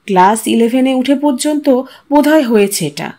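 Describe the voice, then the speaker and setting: High-pitched woman narrating a story. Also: expressive, moderate pace, dark tone. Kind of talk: scripted literary narration.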